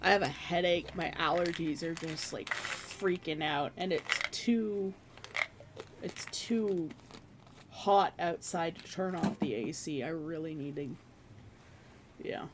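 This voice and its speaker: A streamer chatting casually with viewers from their room at home, rambling and laughing at themselves, with a hoarse voice that is giving out. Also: mid-range voice, slow pace, noisy background. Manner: rambling, self-deprecating, laughs often. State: hoarse, losing voice.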